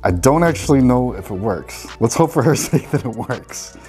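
A man's voice: medium pitch, expressive, normal speed, darkish tone, soft background music. A man in his forties, a salon owner hosting casual reaction commentary in a salon, wry and opinionated. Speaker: salon owner and show host. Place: salon with product shelves, indoors.

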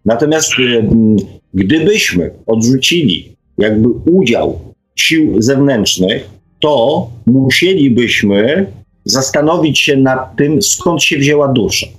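A man's voice: mid-range voice, animated, takes it slowly, faint music behind, low-quality recording. A man hosting an unscripted discussion, speaking hesitantly and reflectively, with frequent tag questions. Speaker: radio show host.

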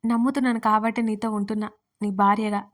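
A woman voicing a gentle, affectionate young wife in an audio story, plain-spoken. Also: medium pitch, little pitch movement, quick pace, lightly acted.

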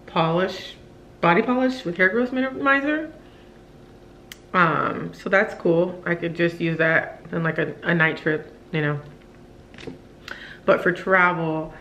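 A woman in her thirties talking casually to the camera in her kitchen, sounding drained and low on energy, rambling with fillers. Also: fairly bright tone, a little hiss or hum. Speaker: vlogger. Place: home kitchen, indoors.

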